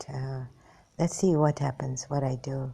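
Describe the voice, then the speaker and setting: A woman's somewhat breathy voice, dark, mellow tone and fairly slow pace. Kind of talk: casual monologue. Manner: halting.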